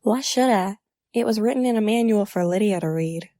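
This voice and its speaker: A woman's voice: medium pitch, fairly quick, dark tone, no echo, studio quality, close to an everyday voice. A woman playing a casual, stubbornly optimistic young woman in an audio drama, folksy and informal.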